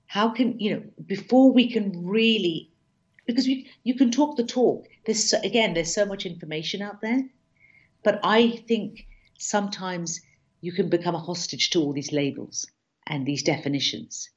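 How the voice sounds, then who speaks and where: A woman's voice: medium pitch, moderate pace, lo-fi sound. A woman speaking as a diversity and inclusion consultant, emphatic, with frequent restarts and repeated words. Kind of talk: conversational interview talk.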